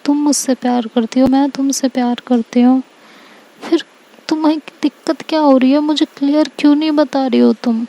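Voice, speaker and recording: An upset young woman fires off pleading questions, hurt and insistent, as a woman reads her out. The voice sits fairly high with little rise and fall. The tone is soft and mellow. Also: fairly even intonation, moderate pace.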